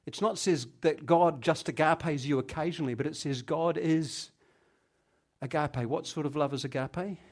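Chatty New pastor preaching. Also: male voice, a little high, a little fast, few pauses. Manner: chatty, teasing the congregation by name. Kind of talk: conversational sermon.

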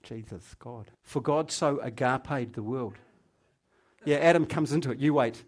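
A male pastor delivers a relaxed, conversational sermon. He talks at a middle pitch and turns to individual listeners with playful asides, keeping the tone informal. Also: measured pace. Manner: chatty, teasing the congregation by name.

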